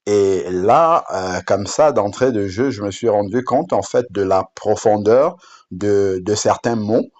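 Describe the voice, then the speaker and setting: Halting low-voiced man. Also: a little mellow. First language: Bamoun. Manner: halting, with frequent fillers and restarts. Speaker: app creator presenting his Bible app. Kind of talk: unscripted screen-demo presentation. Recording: dull lo-fi sound.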